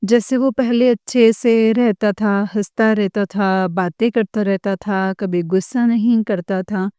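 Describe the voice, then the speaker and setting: Slow, tearful woman. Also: medium pitch, steady tone, dark tone, smooth, dry recording, studio quality. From Punjab, India. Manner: slow and repetitive, keeps addressing the congregation. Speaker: devotee sharing a testimony. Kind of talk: devotional testimony.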